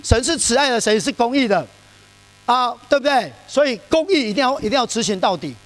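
A man's voice: very high voice, animated, brisk, a bit bright, low-quality recording. A middle-aged male pastor giving a sermon in a chatty way, full of fillers and questions to the congregation. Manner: conversational preaching with frequent fillers and rhetorical questions.

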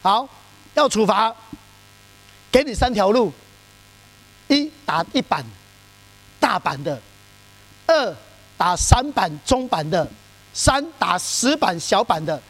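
A man with a high voice preaches to his congregation in an easy, conversational way. He keeps asking the listeners questions and fills his pauses with short sounds. A faint electrical hum sits under the recording. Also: big pitch swings, fairly bright tone, poor audio. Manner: conversational preaching with frequent fillers and rhetorical questions. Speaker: pastor. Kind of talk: sermon.

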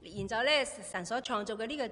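Woman, Cantonese accent, sermon interpreter, quick delivery, slightly high voice, echoing hall. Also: fairly bright tone, slight background noise. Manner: interprets each phrase right after the preacher. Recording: long reverb of a church hall.

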